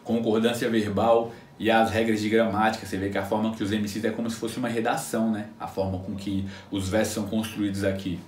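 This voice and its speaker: A man giving freestyle rap tips in casual, unscripted talk, animated and slangy, recorded off-mic in a roomy space. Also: fairly low pitch, brisk, hardly any pauses, distant mic. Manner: animated, slangy, teaching with quoted rhyme examples. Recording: roomy echo, off-mic with faint noise.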